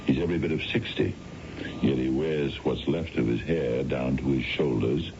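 An actor playing a suave, courtly financial adviser in a radio drama, with polished, formal phrasing and hesitant pauses. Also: male voice, background noise. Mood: wry, confiding. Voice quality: very deep, gravelly voice. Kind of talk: 1970s radio drama acting. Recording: dull vintage radio, music behind.

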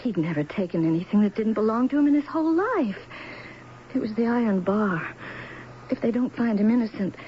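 Actress as anxious, earnest wife and daughter, highish voice, muffled vintage radio drama. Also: female voice, animated, fairly quick, lightly acted. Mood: fearful, insistent. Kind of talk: 1970s radio drama acting. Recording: muffled, lightly hissy 1970s radio recording.

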